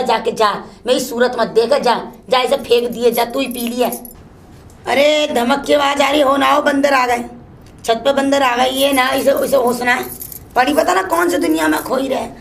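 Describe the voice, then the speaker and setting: A woman playing a scolding old mother-in-law who curses and complains nonstop. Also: normal speed. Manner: shrill, cursing, complaining nonstop. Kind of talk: solo comedy sketch.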